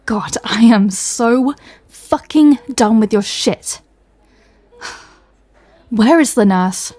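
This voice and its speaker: A woman's voice: on the high side, lively intonation, very slow, warm tone, dry recording, heavily acted. A woman playing a sardonic, fed-up superhero in a comedy audio roleplay, speaking in a dry way. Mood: exasperated. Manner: dry, irritated, sarcastic.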